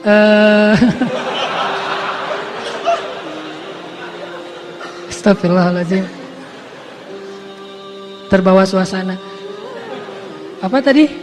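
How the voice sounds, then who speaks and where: Male preacher, very high voice, casual storytelling sermon, acts out characters, faint music under. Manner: lively, acts out quoted voices, self-deprecating asides. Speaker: Islamic preacher.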